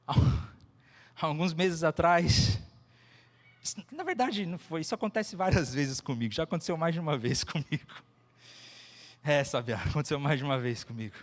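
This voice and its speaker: A man's voice: on the high side, lively intonation, normal speed, long pauses. A Brazilian man preaching a sermon with personal stories, emphatic and repeating phrases for effect. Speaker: pastor. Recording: echoey hall with long reverb.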